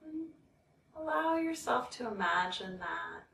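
A woman leading a guided meditation in a soothing, measured way, leaving long pauses between phrases. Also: a little high, sing-song, creaky, a bit bright. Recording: roomy, distant mic, background noise.

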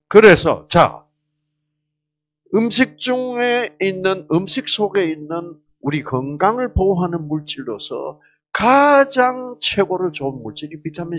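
A man's voice: a little high, fairly bright tone. A man giving a health lecture to a live audience, quizzing the listeners with questions and jokingly slipping into regional dialects.

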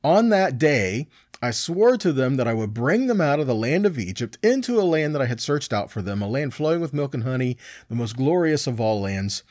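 Animated middle-aged man teaching scripture. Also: mid-range voice, normal speed, dry recording, clean studio sound. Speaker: Bible teacher. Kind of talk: conversational scripture teaching, reading verses and explaining.

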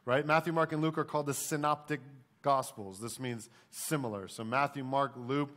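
Male pastor, forties, American accent, medium pitch, emphatic sermon delivery from a church stage. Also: normal speed, a bit bright. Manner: emphatic, repeats questions and key phrases.

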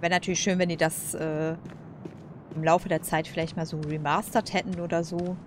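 A woman's voice: lowish voice, flat delivery, moderate pace, a little hiss or hum. A woman doing casual let's play commentary, colloquial and hesitant as she thinks aloud.

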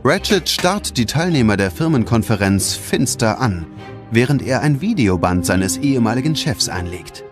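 A man's voice: mid-range voice, sing-song, normal speed. A man narrating a scripted children's audio play as a dramatic storyteller. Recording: music behind the voice.

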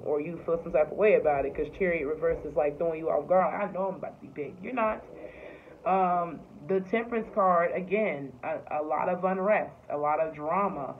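A woman's voice: lowish voice, normal speed. A woman giving a casual tarot reading, talking loosely with lots of fillers and swearing. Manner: loose, profane, filler-heavy talk. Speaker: tarot reader. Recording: tinny phone-like sound with faint noise.

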